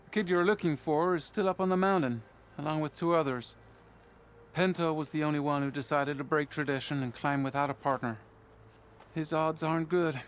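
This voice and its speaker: An actor playing a stern but fair tribal soldier commander in a video game, speaking in a measured, matter-of-fact way. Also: male voice, on the high side, fairly even intonation, a little hiss or hum, lightly acted. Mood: grave. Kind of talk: video game character acting.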